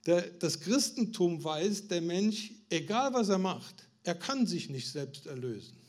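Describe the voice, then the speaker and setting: A man's voice: sits high, animated, unhurried, darkish tone. A man preaching a sermon to a congregation, asking them questions and building emphasis, with frequent restarts. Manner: restarts and stumbles on words.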